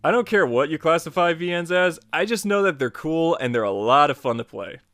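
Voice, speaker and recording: Animated man with a higher-pitched voice. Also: a little fast, no echo. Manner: playful, chatty, emphatic. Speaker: YouTube host and tutorial creator. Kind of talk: lively scripted promo narration. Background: music.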